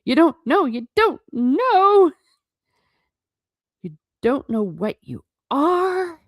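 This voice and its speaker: A woman acts out a big gruff half-giant gamekeeper from a storybook. He booms and blusters in folksy speech, his pitch swinging widely, heard close and dry. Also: very animated, unhurried, no echo. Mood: incredulous. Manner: booming, indignant, folksy speech. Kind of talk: storybook character voice.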